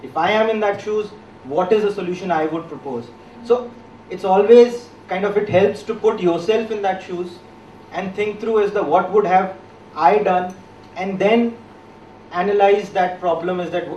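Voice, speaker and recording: A man explaining his thinking in a group discussion, in a measured, reflective way. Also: sits high, darkish tone, slight background noise. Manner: measured, explanatory, slows on key points. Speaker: discussion participant. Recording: echoey room, distant mic, faint background.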